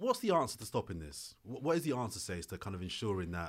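A man with a London accent speaks at a fairly quick pace on a very clean recording with a silent background. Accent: London multicultural English. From Brixton, South London. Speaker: podcast host, former DJ and broadcaster. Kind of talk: casual interview chat.

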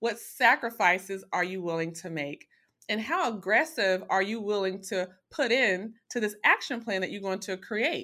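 The speaker has a plain, everyday voice at a moderate pace with ordinary pitch variation, in a very clean recording with a silent background. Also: woman, medium pitch for a woman. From US South. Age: 30s. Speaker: podcast host and financial educator. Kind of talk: solo motivational podcast monologue.

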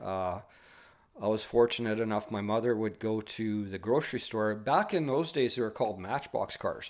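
In a very clean recording with a silent background, a man with a Canadian Prairies accent talks at a moderate pace, his fairly low pitch held to a fairly even intonation. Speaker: auto mechanic and car enthusiast. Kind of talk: casual interview. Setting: home garage.

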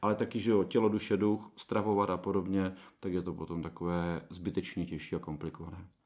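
The recording is very clean with a silent background, carrying an ordinary speaking voice at a medium speed with fairly even intonation. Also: man. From Czech Silesia, Opava district. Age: 40s. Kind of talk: interview.

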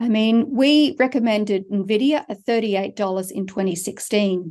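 In an Australian accent, a woman speaks at a moderate pace with a medium pitch, ordinary pitch variation and a dark, mellow tone against a quiet background. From Queensland, Australia. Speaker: trading educator. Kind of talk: webinar presentation.

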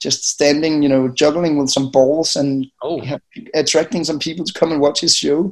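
Speaking with a Danish accent, a man uses a fairly high pitch and fairly even intonation at a moderate pace. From Denmark, Copenhagen. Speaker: journalist. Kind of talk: interview.

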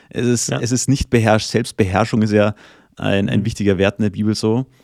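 A man speaks at a moderate pace and fairly low pitch, with vocal fry and ordinary pitch variation. The recording is very clean with a silent background, dry and close with no echo. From Austria (German parents). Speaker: podcast co-host. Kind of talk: casual chat.

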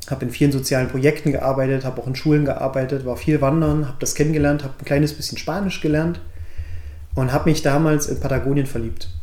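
Very fast speech comes from a man at a fairly high pitch with fairly even intonation. Audible room echo and noticeable background noise are present. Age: 30s. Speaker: adventurer and sports teacher. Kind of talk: interview. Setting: in person.

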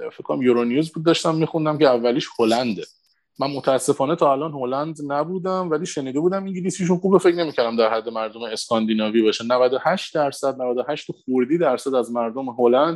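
Over a quiet background, a man with a fairly high pitch talks at a very fast pace with ordinary pitch variation. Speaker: emigrant sharing experiences. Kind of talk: casual chat.

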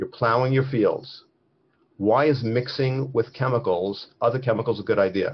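A man with a medium-pitched, somewhat breathy voice talks at a moderate pace with fairly even intonation. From US Northeast (Brooklyn, New York). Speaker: marketing consultant. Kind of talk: casual chat.

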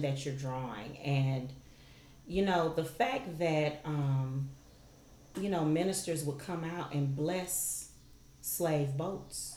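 A woman speaks at a very slow pace in a very deep, low voice with lively intonation, and audible room echo surrounds her. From Mississippi. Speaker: podcast co-host and former professor. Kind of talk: casual chat.

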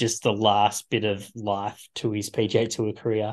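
Against a quiet background, a man with an Australian accent talks at a very slow pace in a fairly low, flat monotone. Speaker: golf caddie and golf enthusiast. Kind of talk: casual chat.

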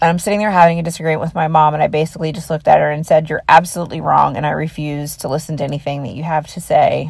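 Speaking at a very fast pace with hardly any pauses, a woman has a very deep, low pitch. Her tone is animated. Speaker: psychic medium and witch. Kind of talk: ghost story telling. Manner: conversational, animated.

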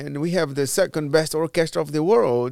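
A man with a Portuguese accent, his intonation lively and his pace fairly slow. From Brazil, Bahia. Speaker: musician. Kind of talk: casual interview. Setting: studio.

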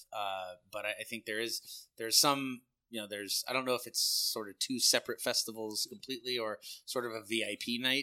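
The speaker has an American accent and a moderate pace, and the sound is dry and close with no echo. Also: man. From California Central Coast. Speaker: head brewer. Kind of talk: casual chat.

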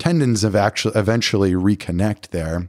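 A man with a very deep, low pitch speaks at a moderate pace and fairly even intonation on a very clean recording with a silent background. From Pennsylvania, US. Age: 40s. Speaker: runner and musician. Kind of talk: casual interview chat.

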